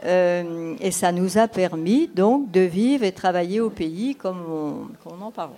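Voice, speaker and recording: A woman's voice: on the low side, expressive, unhurried, warm tone. A woman in her eighties from Brittany, whose first language is Breton, answering interview questions as a documentary filmmaker and telling her stories unhurriedly while she thinks aloud. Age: 80s.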